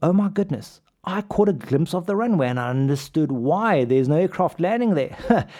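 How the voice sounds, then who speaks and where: A man speaks with a South African accent, his fairly high voice carried by lively intonation. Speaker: running podcast host and coach. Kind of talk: podcast monologue.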